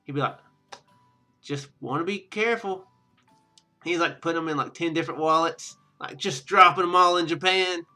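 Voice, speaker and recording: A man's voice: a little high, little pitch movement, fast, hardly any pauses, sharp tone, faint music behind. A man hosting a gaming video, reading a visual novel aloud with casual commentary and stumbling over lines as he goes. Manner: stumbles over read lines and corrects himself.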